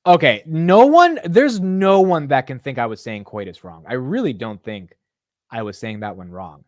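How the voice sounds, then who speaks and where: A young man hosts a casual livestream, joking with his viewers and arguing playfully. His delivery is animated and self-mocking, with a mid-pitched voice. The sound is dry and close-miked. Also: moderate pace, no echo. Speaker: livestream host.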